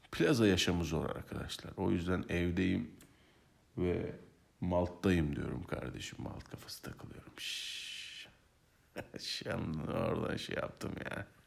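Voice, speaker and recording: At a very slow pace, a man speaks with vocal fry in a very deep, low pitch that shows ordinary variation. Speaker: podcast host. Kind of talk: casual chat. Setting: at home. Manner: animated.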